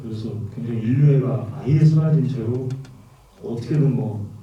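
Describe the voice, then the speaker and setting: A man's voice: medium pitch, moderate pace, highs cut off. A man from Busan, an actor answering audience questions, candid and wry, heard from afar in a cinema hall. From Busan, South Korea. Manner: candid, wry, thinks aloud. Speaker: film actor at a post-screening Q&A. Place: cinema auditorium. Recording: echoey cinema hall, distant mic.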